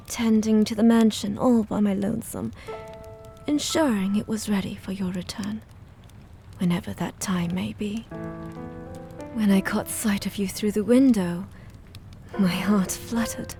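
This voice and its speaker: A woman playing a gentle, doting maid in an audio drama, speaking formally and courteously. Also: medium pitch, lightly acted. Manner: formal, courteous, softly solicitous. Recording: music behind the voice.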